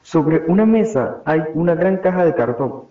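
A man's voice: a little high, lively intonation, moderate pace. A young man with an Argentine accent reading out stage directions as the narrator of a play. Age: teenager or young adult. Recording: dull, roomy amateur recording.

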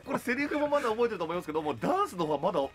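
A man's voice: high voice, sing-song, racing, a bit bright. A man hosting a radio show, chatting casually in a studio. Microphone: studio boom mic, speaking through a face mask. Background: clear background music.

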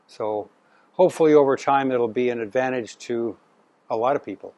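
Canadian man co-presenter, conversational, middle-pitched, dry close sound. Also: moderate pace, darkish tone, dry recording. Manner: conversational, recounts his own searches. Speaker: genealogy co-presenter. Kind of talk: informal presentation to a local society.

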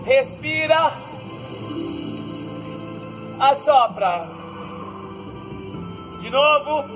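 A Brazilian fitness instructor leads an outdoor stretching class on a large open court, giving calm breathing cues and light jokes as the group moves through each pose. He speaks very slowly in a very high voice with a Brazilian Portuguese accent, caught by a far camera on the ground over background music.

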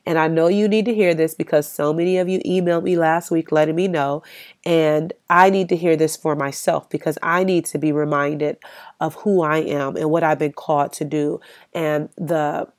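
A woman's voice: low voice, steady tone, normal speed, darkish tone, no room sound, clean studio sound. A woman in her thirties hosting a solo podcast, talking earnestly and encouragingly and repeating herself for emphasis. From United States. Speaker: podcast host.

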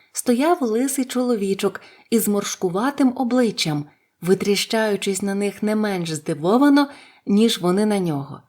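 A woman narrating a children's audiobook with expressive storytelling. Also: mid-range voice.

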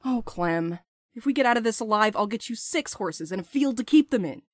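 A woman's voice: a little high, animated, fairly quick, dry recording, clean studio sound. A woman playing a restless, blunt courier in an audio drama, urgent and sardonic, eager to escape. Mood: eager, teasing.

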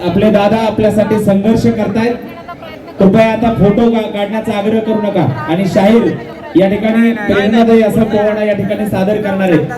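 A man making firm, pleading announcements to a protest crowd through a loudspeaker. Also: high-pitched, flat delivery, normal speed. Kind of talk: public address announcements to a crowd. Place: outdoor protest ground. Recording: echoey loudspeaker heard from far off, loud crowd. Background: large crowd.

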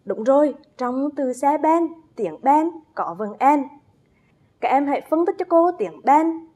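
A primary school teacher leads a first-grade phonics lesson, enunciating slowly and carefully, drawing out spelling drills and calling on young pupils to read along. Her voice sits high, with lively intonation and a mellow quality.

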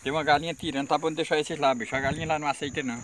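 Fast-talking man outdoors. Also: a little high, steady tone, fairly bright tone, far from the mic. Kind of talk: casual chat outdoors. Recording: outdoor noise behind.

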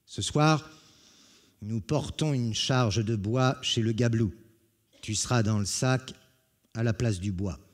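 A man's voice: medium pitch, slow, long pauses. A man voicing young male brigands who give curt, threatening orders. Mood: scheming.

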